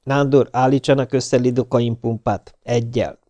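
A man voicing a brisk male emergency doctor who gives curt orders, in an audiobook. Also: medium pitch, fairly even intonation, warm tone, lightly acted. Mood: urgent. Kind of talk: audiobook character voice.

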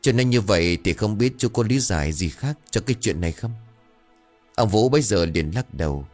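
A man narrating a ghost story, reading it aloud in an expressive way and voicing the characters' dialogue. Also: fairly low pitch, brisk, soft background music.

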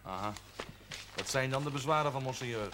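An actor playing a cheeky, hot-tempered Catholic curate in a television drama, animated and quick to argue. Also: male voice, mid-range voice, lightly acted. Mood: defiant, wry. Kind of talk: period television drama acting. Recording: noisy old TV soundtrack.

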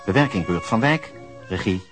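Casting: male radio announcer, lowish voice, formal credits read over clear music. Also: animated. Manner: measured, formal. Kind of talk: formal scripted credits reading.

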